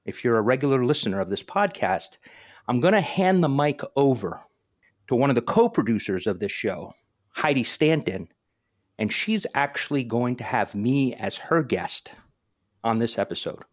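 A man's voice: medium pitch, expressive, normal speed. Upbeat talkative male podcast host. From northern New Jersey. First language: Greek. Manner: talkative and upbeat, with frequent restarts. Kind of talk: casual podcast conversation.

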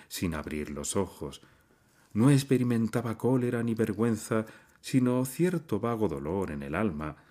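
Low-voiced man reading a somber story. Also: a little mellow. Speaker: narrator. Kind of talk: literary audiobook reading.

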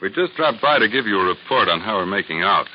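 An actor playing a brisk, polite, official police lieutenant in a 1940s radio drama. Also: male voice, on the low side, lively intonation, natural voice. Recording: muffled, noisy old radio recording.

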